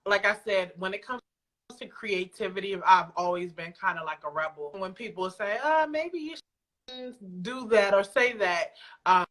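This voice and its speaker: Bright-voiced woman in casual conversation. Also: mid-range voice, animated, moderate pace. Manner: candid, informal, freely swearing. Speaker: podcast guest, poet and audio drama creator. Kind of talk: casual chat.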